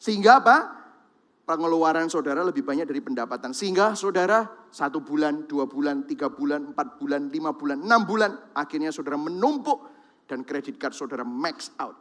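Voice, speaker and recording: Animated pastor with a Javanese lilt. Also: male voice, a little high, brisk. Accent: Javanese-influenced Indonesian. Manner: lively, talks to the congregation directly, acts out quoted voices. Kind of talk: sermon. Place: large church hall. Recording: long reverb of a large church hall.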